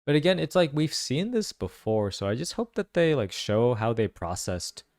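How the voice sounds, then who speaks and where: A man giving casual reaction commentary, thinking aloud in halting phrases. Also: medium pitch, sing-song, a little mellow, dry recording, clean studio sound. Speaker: video commentator.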